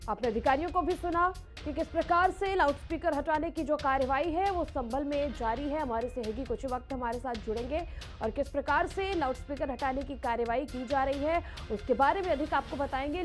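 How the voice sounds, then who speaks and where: A woman with a high voice anchors live breaking news. She is emphatic and circles back over her points, with music playing faintly underneath.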